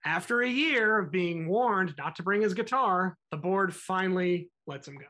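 A podcast co-host recounts a music history story in an easy, talky style. The voice sits at a middle pitch and slips into short acted-out quotes with many "uh"s and "you know"s. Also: lively intonation, moderate pace, bright, forceful tone. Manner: conversational, acts out quotes, filler-heavy. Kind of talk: casual storytelling chat.

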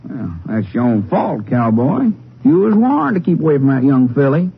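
An actor playing a crusty, folksy boxing handler with a gravelly drawl in a radio western. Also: male voice, medium pitch, sing-song, moderate pace. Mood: chiding. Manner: drawling, homespun scolding. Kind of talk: 1950s radio western acting. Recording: muffled, hissy old radio.

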